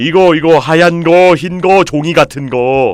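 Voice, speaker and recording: A man talks in an animated tone at a fairly high pitch. His intonation is lively. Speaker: streamer. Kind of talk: live stream chat.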